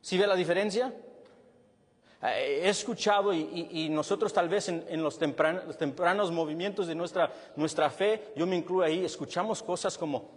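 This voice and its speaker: A male pastor preaching a sermon with a husky voice, animated and then dropping low and quiet to stress a point. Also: normal speed. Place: church hall with long reverb. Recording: reverberant church hall.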